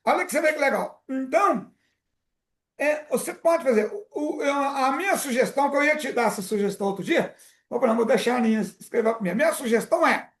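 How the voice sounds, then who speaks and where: Brief: Brazilian male coach, lively swooping delivery, repeats himself as he explains, laughs often. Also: very high voice. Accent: Brazilian Portuguese. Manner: animated, repetitive explaining, frequent laughs. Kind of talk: live coaching session. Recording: roomy echo.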